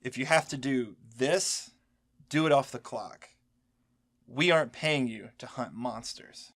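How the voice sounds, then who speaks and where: A man's voice: mid-range voice, a little slow, fairly bright tone. A man playing a weary, stern but protective senior agent in an audio drama, speaking in a cautioning way.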